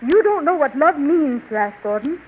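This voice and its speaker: A woman voicing a jealous, sharp-tongued young heroine in a 1930s radio drama, biting and sarcastic. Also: high voice, animated, moderate pace, a little hiss or hum. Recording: dull lo-fi 1930s radio recording.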